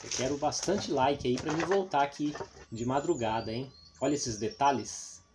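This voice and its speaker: A man's voice: mid-range voice, moderate pace, a little mellow. Man vlogging through ruins, noisy recording. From Paraná, Brazil. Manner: chatty, addresses viewers, frequent tag questions. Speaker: vlog host. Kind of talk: casual exploration vlog narration. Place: abandoned roofless house and overgrown grounds. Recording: noisy handheld outdoor camera recording.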